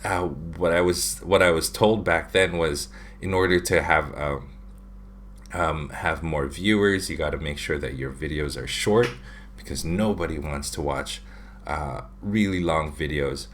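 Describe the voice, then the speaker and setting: This thirtysomething man from the Philippines runs a laid-back drawing livestream at home, shelves of figures around him and a webcam on the desk. His pitch is extremely low, his delivery a little slow and slightly bright, with faint background noise. He chats away, reading viewer questions aloud amid many fillers.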